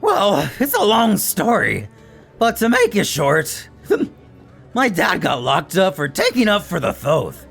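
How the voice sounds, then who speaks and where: A man's voice: high-pitched, huge pitch swings, slow pace, gravelly, a bit bright, slightly rough, soft background music, voice pushed up, heavily acted. A man voicing a breezy, friendly young swordsman with a casual, chummy way of talking.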